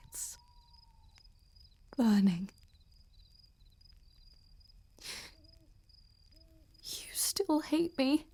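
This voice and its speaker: Slow, intense, possessive ice queen, played by a woman. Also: high-pitched, heavily acted. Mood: bitter, heartbroken. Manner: halting, slow, intense, often dropping to a breathy whisper. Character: obsessed, cruel yandere ice queen general, wounded and possessive. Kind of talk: dramatic audio roleplay addressed to the listener.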